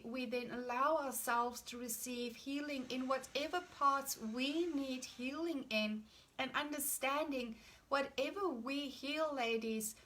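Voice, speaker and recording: Bright-voiced woman leading healing meditation, unhurried. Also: sits high. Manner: earnest, deliberate, emphatic on key phrases. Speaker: meditation leader. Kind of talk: guided healing meditation talk to a live online group.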